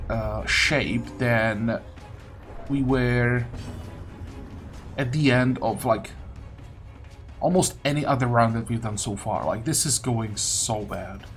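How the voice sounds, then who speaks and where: Male gaming host, mid-pitched, hesitant think-aloud delivery in casual commentary, prominent game music underneath. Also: slow pace, pauses often. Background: video game music.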